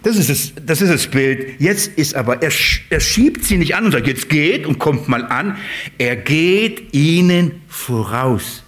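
A man preaching a sermon to his congregation, lively, playfully acting out voices of shepherds and sheep, with his voice rising and dropping. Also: fairly high pitch, unhurried.

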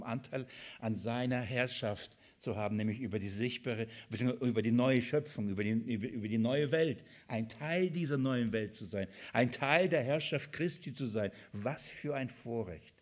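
Animated preacher, a man. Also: mid-range voice, normal speed. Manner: lively, asks the congregation questions; reads scripture with strong emphasis. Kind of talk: sermon.

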